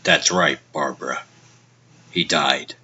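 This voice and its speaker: Man playing a very deep, brooding vigilante hero. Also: steady tone, sharp tone, slightly rough, lo-fi sound, heavily acted. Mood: grave confession. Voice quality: low, tense. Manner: grave, deliberate. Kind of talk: dramatic comic dub acting.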